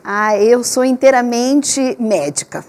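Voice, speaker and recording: Older woman, calm measured guest. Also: fairly high pitch. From Portugal, raised in Rio de Janeiro. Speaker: guest, gynecologist. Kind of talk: relaxed interview talk.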